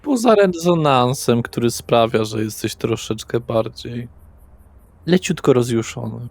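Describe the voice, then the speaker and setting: A man's voice: medium pitch, animated, a little slow, no echo. A man running a horror tabletop game as game master, narrating atmospherically and dropping casual asides to the players. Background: soft guitar music.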